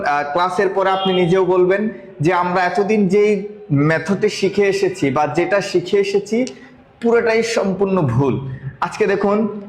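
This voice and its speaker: A man teaching an online English class, drilling letters slowly by repetition. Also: high voice, roomy sound, poor audio. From Bangladesh. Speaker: English instructor.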